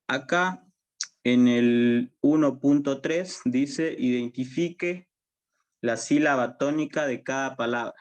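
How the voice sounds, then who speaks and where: Bolivian guy teaching a language class, patient, repeats stuff, keeps asking if everyone got it, mid voice. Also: medium pitch. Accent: Bolivian Spanish. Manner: patient, repetitive, checks understanding often. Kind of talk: online class lecture.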